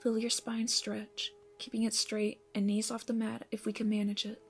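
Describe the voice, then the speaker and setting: A woman playing a gentle, encouraging yoga instructor in an ASMR roleplay, giving soothing, breathy instructions that often soften toward a whisper. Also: on the high side, little pitch movement, moderate pace, faint music behind, lightly acted. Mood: calm, encouraging. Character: gentle, encouraging female yoga instructor leading a morning class.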